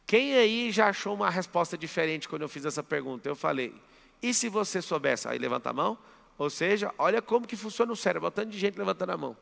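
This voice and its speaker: A man's voice: high-pitched, expressive, fast talker, vocal fry, fairly bright tone. A Brazilian Portuguese-accented man mentoring a live audience in a large hall, speaking emphatically and telling listeners what to write down. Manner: emphatic, drills the audience with commands. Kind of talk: live motivational seminar talk. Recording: long hall reverb.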